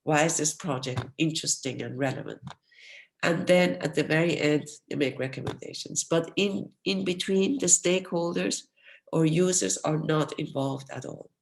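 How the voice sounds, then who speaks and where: A woman professor giving an academic research lecture over a video call in an explanatory, steady way, losing her voice and coughing now and then. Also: low-pitched, moderate pace, vocal fry. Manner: explanatory, steady, apologetic when interrupted.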